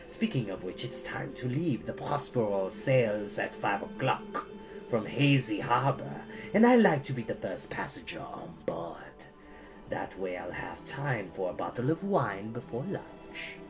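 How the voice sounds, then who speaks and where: A reader voicing a menacing adult male villain who talks slowly in a low, whispery snarl. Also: very animated, over music. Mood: gloating.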